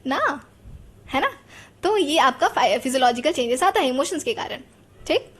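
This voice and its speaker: A woman's voice: sits high, expressive, a little fast. A woman gives a psychology lesson. She talks in a chatty way and keeps putting rhetorical questions to her students. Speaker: teacher.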